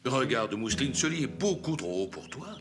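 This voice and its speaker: A man's voice: medium pitch, lively intonation, a little fast, close to an everyday voice. A man voicing a cheerful, kindly grandfather in a French children's cartoon. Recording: loud music bed behind the voice.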